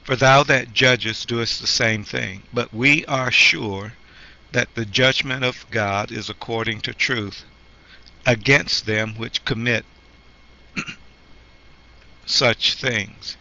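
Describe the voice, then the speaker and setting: A man who is a pastor, coming down with a cold, teaching a Bible study in a slow, halting way, clearing his throat often. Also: mid-range voice, pushed and bright. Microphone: handheld microphone. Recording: muffled lo-fi recording with faint noise.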